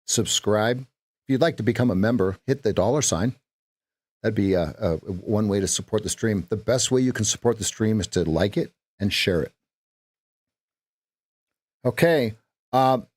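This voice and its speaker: A man's voice: lowish voice, moderate pace, long pauses, dry recording. Chatty man hosting a trading stream. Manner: chatty, repeats phrases, talks to chat. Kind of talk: live trading commentary.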